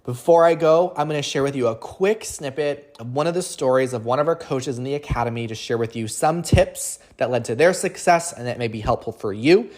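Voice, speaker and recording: A man's voice: mid-range voice, fairly quick, hardly any pauses, a little mellow. A man hosting a podcast, teaching in an instructive, emphatic way and repeating key phrases. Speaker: podcast host and coaching academy founder.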